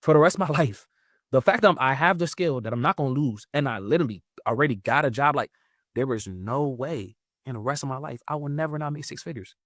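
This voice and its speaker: Young man in his twenties, loose and chatty, filler-heavy delivery, middle pitch, dead-dry recording. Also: quick pace, no echo. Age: 20s. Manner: rambling, heavy use of "like", lively pitch jumps. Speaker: guest. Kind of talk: casual interview chat.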